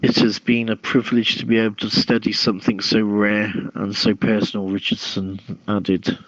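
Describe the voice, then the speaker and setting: A man hosting a talk show, reading news stories aloud with a halting delivery and repeated words, through a dull microphone. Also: on the low side, fairly bright tone, no echo. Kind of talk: reading a news article aloud, with casual chat.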